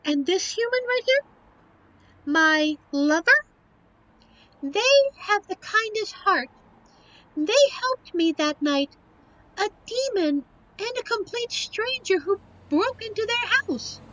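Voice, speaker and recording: A woman's voice: extremely high pitch, lively intonation, slow pace, pauses often, fairly bright tone, no room sound, heavily acted. A woman playing a sweet but defiant young succubus daughter in a scripted audio roleplay, earnest and pleading, on a muffled recording. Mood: earnest, tender.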